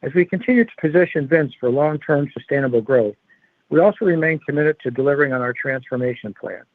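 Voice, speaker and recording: A man's voice: fairly high pitch, fast talker, dry recording. A male company executive reading prepared earnings call remarks in a formal, scripted corporate manner. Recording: narrow-band phone conference line.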